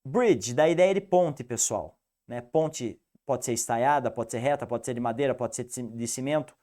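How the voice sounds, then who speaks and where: A male English teacher with a Piracicaba accent, giving an animated, didactic video lesson and repeating the rules for the student. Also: fairly high pitch. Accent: Piracicaba interior São Paulo, rolled R.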